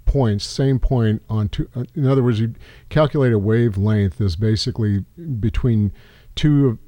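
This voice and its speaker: A man's voice: fairly low pitch, moderate pace, warm tone, no room sound. A man in his sixties explaining sound waves in casual chat, rambling and repeating words as he works through an idea. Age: 60s.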